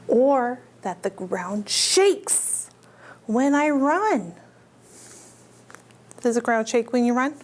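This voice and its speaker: A woman's voice: on the high side, expressive, drawn-out words, long pauses, slight background noise. A woman hosting a children's storytime as a librarian, reading picture books aloud in simple child-directed talk and putting questions to her little listeners.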